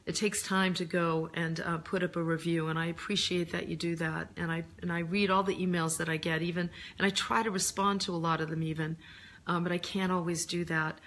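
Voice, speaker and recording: A middle-aged woman recovering from laryngitis, chatting casually on a live stream in a reflective, earnest, halting way, her voice deeper than usual. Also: fairly bright tone. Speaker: host of a live stream, author and coach. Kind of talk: casual live chat answering viewer questions.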